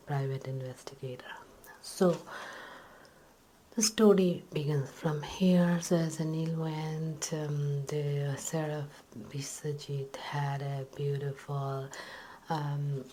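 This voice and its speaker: A woman telling a story in ASMR style, in a breathy whisper, halting between short phrases. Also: low voice, warm tone, a little hiss or hum, low-quality recording.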